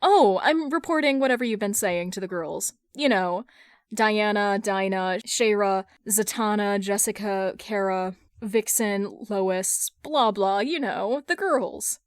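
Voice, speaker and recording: A woman's voice: mid-range voice, slow, no room sound, studio quality, lightly acted. A woman voicing a confident, teasing businesswoman who is sweetly nonchalant and smug, in a fan fiction reading. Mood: giddy.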